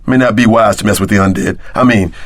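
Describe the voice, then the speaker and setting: An actor playing a tough, streetwise, wisecracking action sidekick in a video game, with a husky voice and gruff, slangy delivery. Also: male voice, on the low side, fairly even intonation, quick pace, close to an everyday voice. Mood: wary, streetwise.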